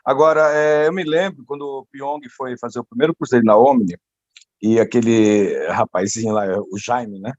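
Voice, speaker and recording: A man's voice: mid-range voice, normal speed, a little mellow, dry recording, dull audio. A man chatting casually and telling an emphatic story as a guest in an online lesson. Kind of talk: casual chat.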